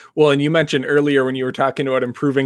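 A man with a medium pitch and an American accent has an ordinary speaking voice with fairly even intonation, heard with a dry, close sound with no echo in a very clean recording with a silent background. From rural northern Minnesota. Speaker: sports podcast host. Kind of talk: casual interview.

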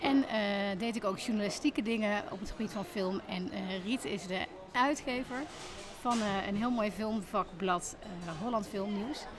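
A woman speaks at a fairly slow pace in a medium pitch with ordinary pitch variation, with audible room echo and music in the background. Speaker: podcast host, money coach. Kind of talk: interview. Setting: bistro at a railway station.

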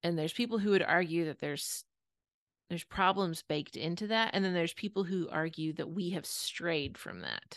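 A plain, everyday voice: a woman at fairly low pitch, fairly even intonation and a fairly quick pace, over a quiet background. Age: 30s. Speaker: journalist and author. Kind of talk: interview.

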